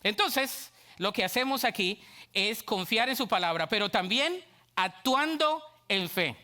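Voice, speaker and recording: A middle-aged male pastor preaches with a high, bright voice. He talks animatedly and slips into playful voices of church members. His delivery stays warm toward the congregation and full of energy. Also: measured pace. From Colombia. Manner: lively preaching, acts out voices of church people. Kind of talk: sermon.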